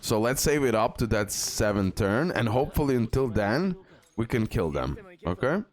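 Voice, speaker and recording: In a sing-song, low voice at a moderate pace, a gaming YouTuber offers casual guide commentary over gameplay. He's instructional and repetitive, full of check-in tags, with music underneath.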